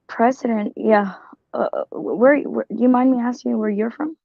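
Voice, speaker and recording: A woman's voice: a little high, moderate pace, gravelly, no echo. A woman from Somalia speaks up in a casual online discussion. She talks earnestly and rambles, restarting her sentences. Her voice comes through a muffled, dry call connection. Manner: rambling, self-correcting, earnest. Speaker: caller.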